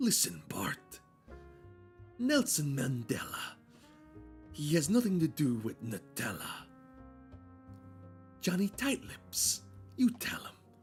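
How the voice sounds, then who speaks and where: At a middle pitch, a put-on character voice speaks at a fairly slow pace with long, frequent pauses and clear music in the background. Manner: gangster, threatening.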